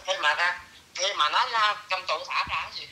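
A middle-aged man telling a story in a casual, lively way, slipping into broken English phrases. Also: high-pitched, a little fast, background noise. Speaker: interviewee.

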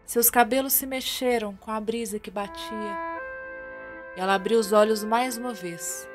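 A woman's voice: a little high, fairly even intonation, normal speed. A Brazilian woman narrating a scripted radio drama as a theatrical storyteller. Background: music with guitar.

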